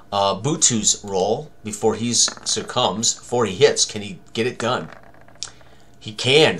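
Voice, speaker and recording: In a small room, an older man at his computer walks through a tabletop game, musing aloud in quick comments on rolls and tallies. His voice has a fairly low pitch and a fairly bright tone.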